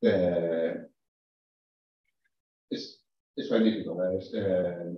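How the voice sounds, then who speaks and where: Halting guy presenting, slow, echoey room from far off. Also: deep voice, fairly even intonation, a little hiss or hum. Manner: halting, hesitant, many fillers. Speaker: presenting researcher. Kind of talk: academic presentation and answers. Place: lecture room. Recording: echoey, distant, dull room recording.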